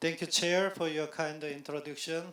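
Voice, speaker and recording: In a Korean accent, the speaker keeps a fairly even intonation amid audible room echo. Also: man. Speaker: former defense official. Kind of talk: conference presentation. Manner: halting.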